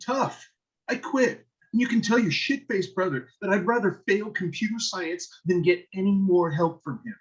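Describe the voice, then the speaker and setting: Casting: impatient teenage boy singer played by a man, higher-set voice, curt and irritable, muffled online table read. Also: normal speed, close to an everyday voice. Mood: resentful. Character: surly, impatient teenage male garage-band singer. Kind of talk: virtual table read of a film script. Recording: dull lo-fi call audio.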